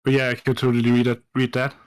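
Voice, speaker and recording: A man with a smooth, clear voice at an average pitch takes part in an online lesson as a student. He reads and translates tentatively, in a halting, hesitant manner. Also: monotone. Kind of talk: tentative reading aloud and translating.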